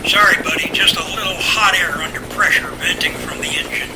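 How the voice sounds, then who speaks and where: A man playing a steady, reassuring helicopter rescue pilot in an amateur audio drama, giving instructions and keeping to the task. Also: high-pitched, a little fast, lightly acted. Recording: loud helicopter and engine noise.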